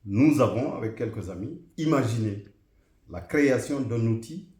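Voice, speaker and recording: A middle-aged man from Guinea, answering interview questions in a measured, formal way with frequent hesitations. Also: medium pitch, expressive, warm tone, echoey room. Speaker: interview guest, association president.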